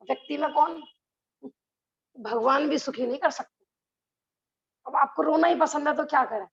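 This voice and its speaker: A woman lecturing a religious class speaks at a moderate pace in a high, gravelly voice, captured on a dull, lo-fi recording. She repeatedly turns to the class with rhetorical questions and laughs between her points.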